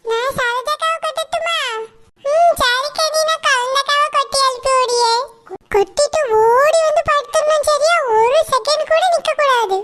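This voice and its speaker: This Tamil cartoon dialogue comes from a performer playing a mischievous village girl who, with other little girls, plots pranks at bedtime, full of playful scheming. She has a southern Tamil Nadu accent and a playful, conspiratorial delivery. Her very high voice is bright and forceful, at normal speed.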